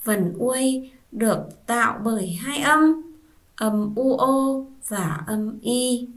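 A woman teacher with a Vietnamese accent and a voice on the high side gives a first-grade reading lesson. Taking it slowly and clearly, she patiently spells out sounds and has the children repeat after her.

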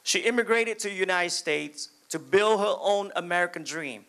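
A man's voice: high voice, moderate pace, pushed and bright. A young man serving as master of ceremonies, formally introducing the next speaker with a handheld mic in a large hall. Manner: formal, announcing. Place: large indoor banquet hall, on stage at a podium.

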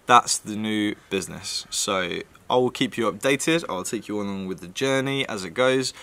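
Man, nasal, low-ish voice, bright forceful tone, casual vlog chat, rambling. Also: moderate pace. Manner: relaxed, rambling with fillers. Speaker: vlogger.

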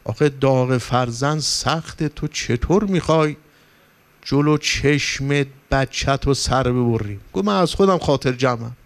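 A man's voice: medium pitch, gravelly. Impassioned male cleric preaching. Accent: Persian, from Iran. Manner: impassioned storytelling, rising for emphasis. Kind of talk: sermon. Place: religious gathering hall.

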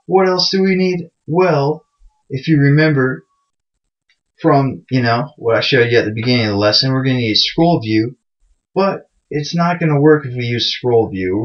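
A man hosting a programming screencast, talking loosely and mocking himself, with plenty of fillers. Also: medium pitch. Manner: loose, chatty and self-mocking, with many fillers. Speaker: programming tutorial host. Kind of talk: casual screencast tutorial. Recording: dull lo-fi mic sound.

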